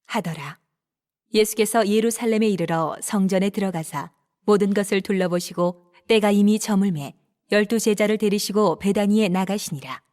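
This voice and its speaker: Female narrator for dramatized scripture, mid-range pitch, formal and measured delivery. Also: darkish tone.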